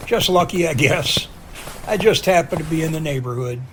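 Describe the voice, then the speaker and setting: A man's voice: on the high side, moderate pace, a little hiss or hum, lightly acted. A man in an amateur audio drama playing a frank, inquisitive helicopter rescue pilot in a conversational manner. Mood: willing.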